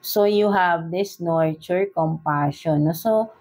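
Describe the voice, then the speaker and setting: Woman, Filipino accent, tarot reader, fairly low voice, very slow pace, chatty Taglish. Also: darkish tone. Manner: chatty, slow, filler-heavy Taglish with frequent "no?" and "right?" tags. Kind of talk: casual tarot reading.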